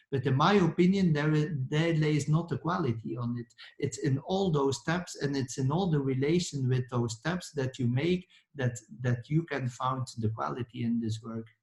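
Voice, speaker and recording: A man, an architect answering questions in a lecture Q&A, halting with many restarts and fillers. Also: mid-range voice, creaky, a little mellow, reverberant. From Belgium. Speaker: architect guest speaker.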